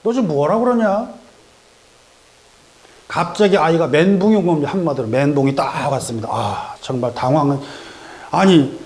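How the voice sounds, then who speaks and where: Middle-aged man preaching, kinda high voice, tells a story and does little voices for the characters. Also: darkish tone. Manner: storytelling with acted dialogue voices. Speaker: pastor. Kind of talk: sermon. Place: church sanctuary.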